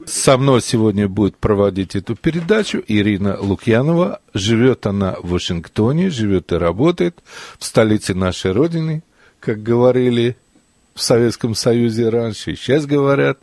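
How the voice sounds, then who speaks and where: Measured Russian-speaking radio host man. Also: mid-range voice, expressive, a little mellow, no echo, clean studio sound. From former Soviet Union. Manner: measured, deliberate, with fillers. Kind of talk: radio talk show interview. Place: radio studio. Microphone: studio mic.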